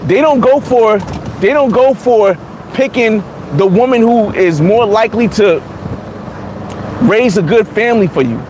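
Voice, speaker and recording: Forty-something man, high-pitched, blunt and repetitive vlogger, faint street noise behind. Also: expressive, measured pace, darkish tone, rough recording. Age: 40s. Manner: blunt, repetitive, many restarts. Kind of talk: casual livestream chat reading comments.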